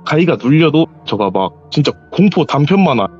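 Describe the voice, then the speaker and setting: A man calling in to tell his own ghost story, lively and animated, jumping his voice up high whenever he acts out what someone said. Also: fairly quick, breathy edge, muffled recording, faint music behind. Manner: animated, acts out quoted voices with sharp pitch jumps. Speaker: caller telling a personal story. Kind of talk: call-in horror storytelling. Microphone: voice call.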